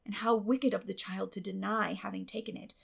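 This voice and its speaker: A woman narrates a classic storybook. Her voice sits at a medium pitch with plenty of creak, and she reads in a scripted audiobook style. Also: fairly even intonation, brisk.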